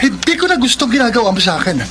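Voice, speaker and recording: A man's voice: high voice, very animated, rapid-fire, heavy background noise. A Filipino man acting as a lovesick, confused young gay man pleading emotionally in a Tagalog radio romance drama. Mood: anguished, confused. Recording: background music under dialogue.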